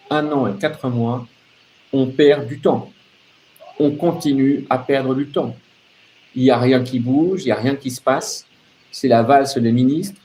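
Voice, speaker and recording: A live open-line host launches into an off-the-cuff political rant, sardonic and emphatic, repeating phrases and tossing out rhetorical questions. His medium-pitched voice is a little mellow, and the audio is poor with slight background noise.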